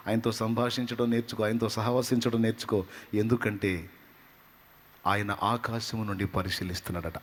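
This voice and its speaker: A man preaching a sermon, fervent and emphatic, often rising to loud high bursts and sometimes dropping to a soft prayerful tone. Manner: drops to soft, intimate prayerful tone.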